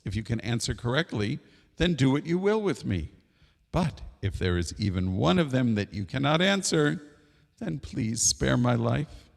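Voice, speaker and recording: A man's voice: big pitch swings, normal speed, gravelly. A man voicing a small, clever storybook bird that pleads humbly and politely, in an echoey hall. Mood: earnest bargaining. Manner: pleading, courteous, higher voice. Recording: echoey hall with long reverb.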